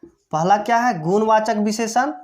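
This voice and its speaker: A woman with a medium-pitched, darkish-toned voice teaches grammar unhurriedly, as in a classroom. She explains step by step, answers her own rhetorical questions, and repeats every key term.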